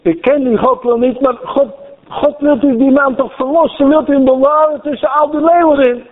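An anxious ancient king calls out and pleads in a high, strained voice, as a preacher acts him out. He sounds worried and sleepless. The sound is thin and narrow, like a phone line on the radio. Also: fairly even intonation, moderate pace, big-room sound. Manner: pleading, calling out.

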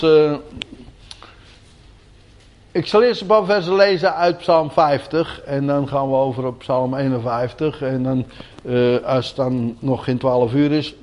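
An older man preaching a sermon, moving from quiet folksy asides to loud, emphatic repetition of key words. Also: mid-range voice.

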